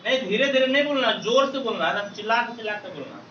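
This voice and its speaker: A man's voice: very high-pitched, animated, fast, sharp tone, slight background noise. A man teaching maths to a live class, repeating each question so students call back the answers and calling them babu and beta. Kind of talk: classroom lecture with call-and-response. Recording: roomy, distant, dull classroom recording.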